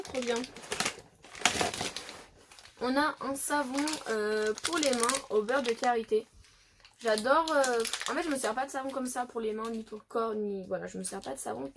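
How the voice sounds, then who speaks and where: Chatty woman with a higher voice. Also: moderate pace, noisy background. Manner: chatty, thinking aloud with many fillers. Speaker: beauty vlogger. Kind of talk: casual unboxing chat.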